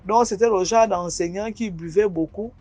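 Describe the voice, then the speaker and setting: A woman's voice: medium pitch, moderate pace, warm tone. A woman recounting her own eerie experience in a rambling, conversational way, with asides and restarts. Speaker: listener sharing a personal story. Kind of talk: spoken personal testimony.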